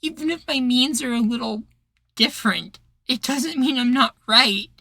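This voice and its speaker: A man acting a troubled, self-doubting rebel leader with a hushed, halting delivery in an ASMR roleplay. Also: extremely high pitch, creaky, dry recording, heavily acted. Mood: desperate.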